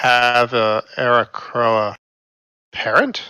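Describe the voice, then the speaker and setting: The pace is very slow. It is a put-on character voice. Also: man, medium pitch for a man. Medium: actual play. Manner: blunt, quizzical.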